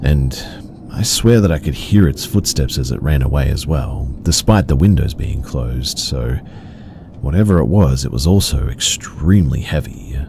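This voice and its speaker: A man narrating first-person horror stories in a slow, measured, somber way. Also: extremely low pitch, animated, gravelly, darkish tone, a little hiss or hum.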